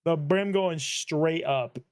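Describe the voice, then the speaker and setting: A man's voice: on the high side, slow pace, no echo, studio quality. A man casually reacting to a video with friends, using slang and swearing. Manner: slangy, profane. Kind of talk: casual chat.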